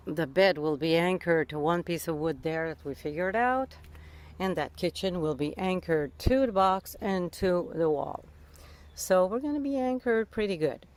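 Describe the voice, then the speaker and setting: An expressive woman from Montreal, Canada, talks at a moderate pace in a low, slightly mellow voice. Documenting a van build in a casual vlog, this native French speaker has a Québécois accent and keeps rephrasing as she searches for words.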